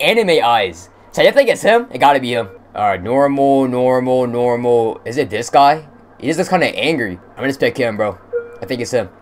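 A young man casually commentating on a game stream, using slang and talking excitedly to his chat. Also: medium pitch. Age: young adult. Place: indoor room at streaming setup.

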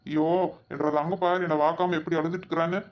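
A man's voice: a little high, little pitch movement, fast talker, natural voice. A man voicing a doting, protective village brother in a cartoon, soothing and fussing with repeated endearments. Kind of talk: cartoon voice acting. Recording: dull lo-fi audio.

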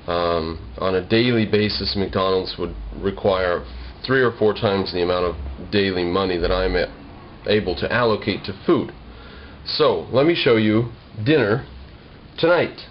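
Speaking at a measured pace in a deep voice, this young adult American vlogger explains things to the camera with a casual yet wry, slightly formal manner. The homemade video has dull lo-fi sound with noise.

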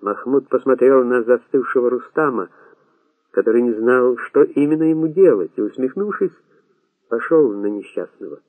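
A man narrating an audiobook in a steady, dramatic reading style. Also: medium pitch, moderate pace, no room sound. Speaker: audiobook reader. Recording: tinny phone-like sound.

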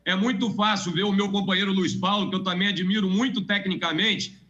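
A male lawmaker delivering a formal speech on the chamber floor, pressing his points and repeating them for weight. His voice sits high and sounds bright and forceful. The broadcast audio is somewhat dull and lo-fi. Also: fairly even intonation, fairly quick. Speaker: state legislator. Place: legislative chamber.

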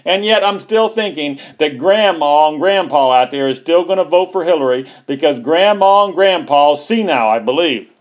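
A man's voice: on the high side, lively intonation, moderate pace, hardly any pauses. Heated man ranting political commentary. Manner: emphatic and repetitive, heated.

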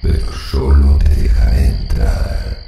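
A man voicing a severe male ghost with a dry, gravelly voice in a horror audiobook. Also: rumbling low, level tone, slow, noisy background, exaggerated voice. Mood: ominous, conceding. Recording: reverberant voice under loud music.

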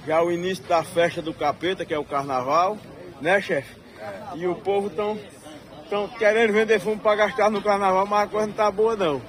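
A man's voice: high voice, steady tone, a little fast. A man, hosting a casual vlog while walking a street market, chatty and drawn out as he quotes prices. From Northeast Brazil. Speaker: channel host filming a market. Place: busy outdoor street market. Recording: outdoor street market crowd noise. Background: crowd chatter and traffic.

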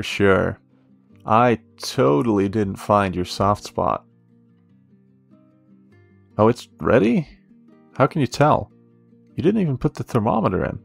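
Using a full character voice that is lowish with vocal fry, a male actor plays a young café worker in a romance audio piece. Friendly and protective, the character admires and teases gently, curious and often pausing hesitantly, over soft guitar music.

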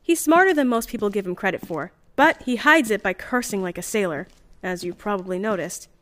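A woman's voice: mid-range voice, a little fast, fairly bright tone, slight background noise, natural voice. An actress playing a chirpy, earnest, polite young woman on a science team, gushing and easily flustered, in an audio drama. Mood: fond, flustered. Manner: bubbly, gushing, hesitant when flustered. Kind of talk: audio drama, recorded diary.

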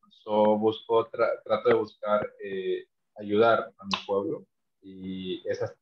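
A young man from Panama whose first language is Guna, speaking Spanish with a Panamanian accent in a halting, filler-heavy way on a video call. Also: sits low. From Panama, Guna people. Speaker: guest, software developer. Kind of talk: casual self-introduction on video call. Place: dim room, indoors. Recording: dull lo-fi video call audio, quiet.

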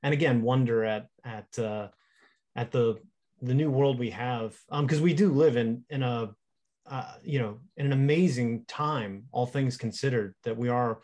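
A man speaks in a mid-pitched voice over a video call. He is an illustrator reflecting on his own work. His delivery is conversational and halting, as he searches for the right words. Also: a little mellow. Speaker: illustrator, panel guest. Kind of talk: reflective conversational talk about own artwork.

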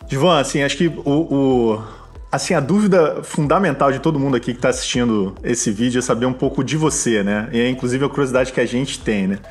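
Guy in his 30s asking questions over a video call, talks fast, faint music under it. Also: mid-range voice. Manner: chatty, many fillers. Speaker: co-host. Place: home room with bookshelves. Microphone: earphone mic on video call.

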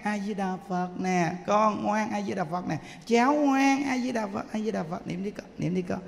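A man voicing a gentle grandparent who softly coaxes a crying baby to calm down. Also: high voice, normal speed, creaky. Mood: soothing. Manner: soft, coaxing, hushed. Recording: long hall reverb.

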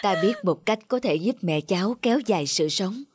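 A woman voicing a kind, wise old woman in a cartoon, speaking slowly and soothingly, with music playing underneath. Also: mid-range voice, animated, crowd noise, voice pushed down, natural voice. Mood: gentle, soothing. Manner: slow, soothing, grandmotherly. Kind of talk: cartoon voice acting.

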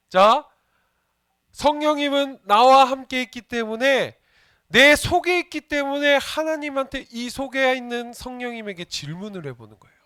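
A man's voice: very high voice, takes it slowly, long pauses, pushed and bright, clean tone, no room sound, clean studio sound. A man, a junior pastor, giving a playful children's sermon and asking the kids questions as he goes. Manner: playful, asks the children questions and jokes with them.

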